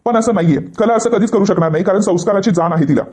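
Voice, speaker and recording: A man reading the part of an elderly grandfather who heads the family and speaks to calm everyone. The voice is high and mellow, and it moves quickly. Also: lightly acted. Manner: calming, reassuring.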